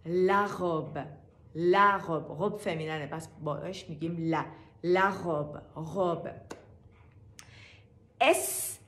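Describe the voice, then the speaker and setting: Woman teacher going over words slow and repeating them, roomy echo. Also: on the low side, fairly even intonation, a bit bright. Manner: repeats words slowly and clearly. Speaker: French teacher. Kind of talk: casual language lesson.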